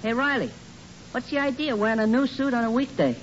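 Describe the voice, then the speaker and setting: An actor playing a teasing, wisecracking buddy in a 1940s radio comedy. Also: male voice, extremely high pitch, fast. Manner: teasing, joking. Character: wisecracking buddy Jelly Kelly. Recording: dull old radio recording, faint hiss.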